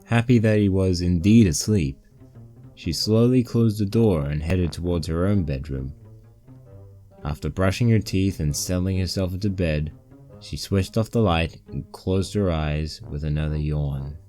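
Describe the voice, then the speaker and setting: Low-voiced man narrating a story. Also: a little slow, dark tone. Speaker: narrator reading a fan fiction story. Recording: poor-quality mic with music bed.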